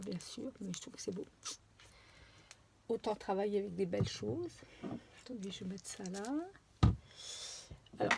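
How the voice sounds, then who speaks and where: A woman chatting casually through a craft-supply unboxing, with many pauses and fillers. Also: mid-range voice, gravelly, a little mellow, a little hiss or hum. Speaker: crafting vlogger.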